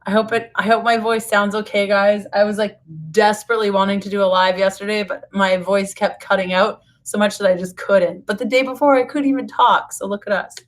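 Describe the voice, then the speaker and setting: A woman with a raspy, slightly hoarse voice recovering from losing it, chatting informally and directly to viewers as host of a casual livestream. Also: mid-range voice, steady tone, brisk, few pauses. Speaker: nutrition author hosting a livestream. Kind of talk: casual live vlog chat to viewers. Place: hotel room.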